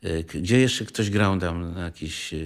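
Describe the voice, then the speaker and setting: An older man reminiscing in a halting way, stopping to clear his throat. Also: deep voice. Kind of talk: reminiscing interview, breaking into song.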